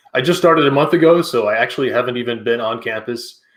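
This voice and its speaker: A man with an American accent and a plain, everyday voice speaks fairly quickly at medium pitch with ordinary pitch variation, in a very clean recording with a silent background. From US South, Atlanta. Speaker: university student or staff, guest. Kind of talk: casual interview chat.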